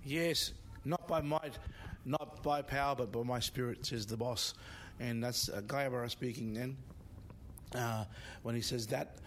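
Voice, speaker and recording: A man hosting a radio show, his voice slightly croaky, speaking haltingly with many pauses. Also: mid-range voice, fairly even intonation, fairly bright tone, slight background noise. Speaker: host.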